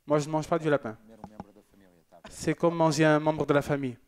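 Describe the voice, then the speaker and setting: Man host, church TV, slightly high voice, casual and joking, reads out viewers' messages. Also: little pitch movement, brisk. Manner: chatty and joking, with loose asides. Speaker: church TV presenter. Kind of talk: casual broadcast chat reading viewer messages.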